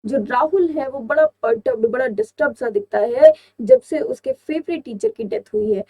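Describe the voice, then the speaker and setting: A woman's voice: sits high, animated, normal speed, dull audio. A young woman with an Indian accent teaching an exam-prep vocabulary lesson, explaining each word and asking her students rhetorical questions. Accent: Indian English.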